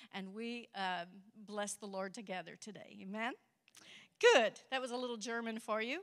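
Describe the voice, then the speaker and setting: A woman speaks with a Southern US accent at a fairly high pitch. Her pitch varies in an ordinary way, and she leaves long, frequent pauses. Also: moderate pace. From US South, Kentucky. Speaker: missionary. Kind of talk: testimony. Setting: church.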